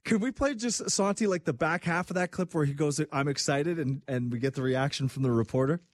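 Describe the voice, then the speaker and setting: A man's voice: on the high side, brisk, dry recording, clean studio sound. A man hosting a sports talk show, chatting casually and acting out the voices he quotes. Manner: animated, acts out quoted voices. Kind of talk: casual chat.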